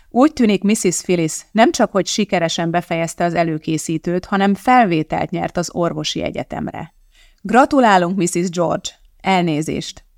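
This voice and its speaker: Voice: mid-range voice, gravelly, no room sound, natural voice. The reader voices a resolute woman chemist who hosts a TV cooking show, speaking firmly and declaiming to a studio audience. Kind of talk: audiobook character voicing.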